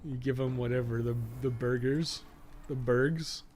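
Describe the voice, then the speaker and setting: A man's voice: mid-range voice, fairly even intonation, unhurried, a little mellow. A man giving casual, rambling game stream commentary with a jokey, sometimes profane manner. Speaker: podcast co-host and game guide maker. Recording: clearly noisy background.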